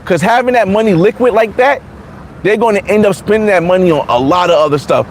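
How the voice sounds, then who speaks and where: Forty-something man, high-pitched, blunt and repetitive vlogger, faint street noise behind. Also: fairly quick. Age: 40s. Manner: blunt, repetitive, many restarts. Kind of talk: casual livestream chat reading comments.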